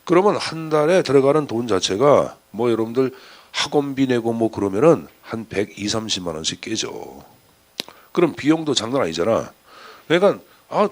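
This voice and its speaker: A man giving a chatty exam-prep lecture, firing rhetorical questions at his students. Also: mid-range voice.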